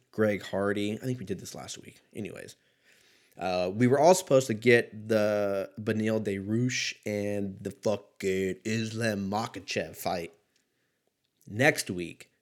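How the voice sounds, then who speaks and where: Male sports talk host, 30s, fairly low pitch, loose and conversational, unpolished solo delivery with salty language. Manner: laid-back, rambling, profane. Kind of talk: casual solo commentary.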